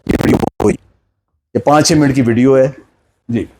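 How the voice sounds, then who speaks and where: Here the same kind of talk comes with background noise: a man in his 60s with a Pakistani Punjabi accent urges listeners in an informal health lecture, blending colloquial speech and English terms. He speaks in a mid-range voice at a moderate pace as a health speaker.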